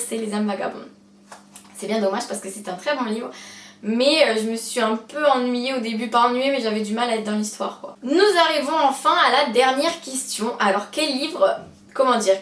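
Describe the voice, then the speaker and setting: A young woman chatting to camera about her bookshelf, hesitant and self-mocking, full of fillers. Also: on the high side. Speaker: book vlogger. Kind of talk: casual chat to camera. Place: room at home beside her bookshelf. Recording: roomy echo, distant mic, faint hiss.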